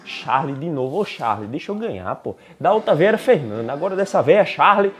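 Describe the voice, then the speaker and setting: Excitable young man with a lively pitch. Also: fairly quick. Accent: Brazilian Portuguese. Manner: excitable, swearing, trash-talking the game. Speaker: gaming YouTuber. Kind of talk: casual gameplay commentary.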